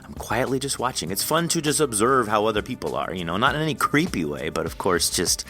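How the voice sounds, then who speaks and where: Low-voiced, bright male podcast host. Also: expressive, brisk, faint music behind. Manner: friendly, rambling, laughs often. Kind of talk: casual interview chat.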